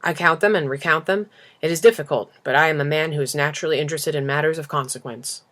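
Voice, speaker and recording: A woman acts out a self-important businessman from a storybook. He is peevish and pompous, pressing each point with brisk, forceful insistence. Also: low-pitched. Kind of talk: storybook character reading.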